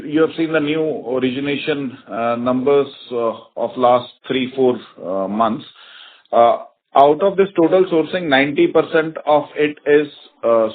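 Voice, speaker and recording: A man, a bank executive giving a halting, self-correcting explanation on an earnings call. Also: mid-range voice, narrow, tinny audio. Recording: telephone conference line.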